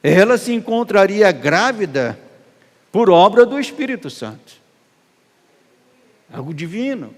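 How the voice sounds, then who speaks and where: High-voiced Brazilian pastor preaching in a hall. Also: male voice, big pitch swings, a little slow, long pauses. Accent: Brazilian Portuguese. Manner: emphatic preaching, swelling loud on key phrases. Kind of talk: sermon. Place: church hall. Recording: long hall reverb.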